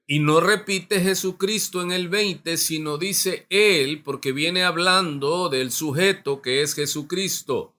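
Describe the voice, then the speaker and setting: Slow, bright-voiced man preaching a sermon. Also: fairly high pitch. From Mexico. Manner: emphatic preaching, slows down and stresses key words; asks the congregation questions. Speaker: pastor. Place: church sanctuary.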